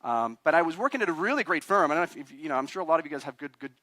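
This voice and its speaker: Fast, chatty man from Chile. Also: a little high, lively intonation, bright, forceful tone, dry recording. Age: 40s. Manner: chatty, quizzes the audience, self-deprecating. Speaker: guest speaker, attorney. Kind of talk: live talk to a meetup audience.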